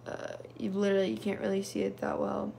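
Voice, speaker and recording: A woman's voice: medium pitch, wildly swooping pitch, quick pace, vocal fry, dark tone, echoey room, a little hiss or hum. A young woman from California chatting casually and sleepily with viewers on a phone livestream. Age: young adult. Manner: casual, drowsy, answers viewers in short bits. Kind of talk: live stream chat reading comments. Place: small room indoors. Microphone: phone held close to face.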